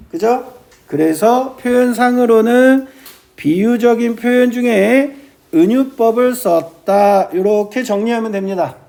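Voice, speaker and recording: A male teacher giving a classroom lecture on classical poetry, often checking with his students and reciting verse slowly. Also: very high-pitched, gravelly, warm tone. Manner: keeps starting with "ja", asks students quick checking questions.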